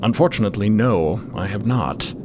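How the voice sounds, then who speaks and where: A man voicing a troubled, courteous explorer who speaks haltingly and wordily in an audio drama. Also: fairly low pitch, expressive, background noise, lightly acted. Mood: polite, subdued. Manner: halting, wordy, polite. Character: troubled, hesitant, courteous man of a cosmic expedition.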